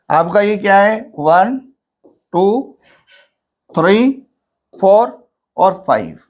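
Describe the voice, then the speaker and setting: Slow, patient literature teacher. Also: mid-range voice. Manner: patient, counts syllables aloud, asks rhetorical questions; mixes English terms into Hindi explanations. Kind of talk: exam-prep lecture at a whiteboard.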